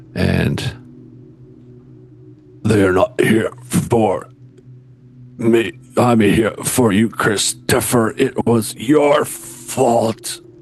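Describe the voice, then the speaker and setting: A man's raspy, put-on character voice at medium pitch, very slow in pace with long, frequent pauses. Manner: menacing.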